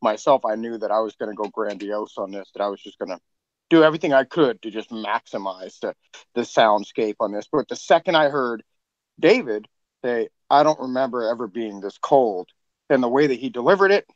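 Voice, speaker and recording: An earnest man with a lower voice, a former soldier who designs the sound, talks in halting runs full of restarts. The mic is dry and a little dull. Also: animated, no room sound. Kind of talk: casual podcast chat.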